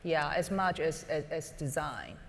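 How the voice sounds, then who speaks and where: A woman's voice: low-pitched, expressive, a little slow, gravelly. A woman design partner speaking on a live panel, hesitant and full of restarts as she gathers her thoughts. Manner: hesitant, many restarts and fillers. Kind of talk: unscripted panel talk. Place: conference stage. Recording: reverberant live conference hall.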